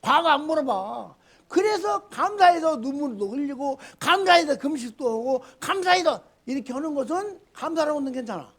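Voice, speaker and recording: A middle-aged male pastor preaching a sermon in a colloquial style, with loud outbursts, low mutters and rhetorical questions to the congregation. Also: expressive, moderate pace.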